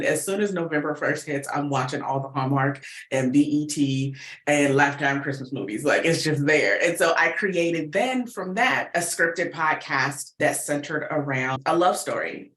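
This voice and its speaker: An American woman giving talkative, informal interview answers in an animated storytelling way. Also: sits low. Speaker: guest, podcast producer and relationship coach. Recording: roomy, echoey sound.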